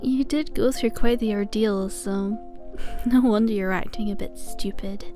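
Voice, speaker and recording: A woman playing a possessive, lovesick asylum inmate in an ASMR roleplay, cooing endearments with breathy sighs and a sweetly menacing edge. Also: medium pitch, steady tone, unhurried, warm tone, faint music behind, natural voice. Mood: teasing, doting, controlling. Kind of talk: ASMR roleplay, intimate scripted monologue.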